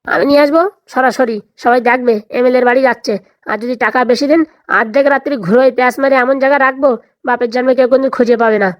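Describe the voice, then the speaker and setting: Put-on voice of a cartoon hired goon, rather high-pitched, very quick, swaggering, greedy, boastful, wheedling. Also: fairly even intonation, highs cut off, lightly acted. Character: boastful, greedy, hard-drinking hired thug. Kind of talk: comedy cartoon dialogue.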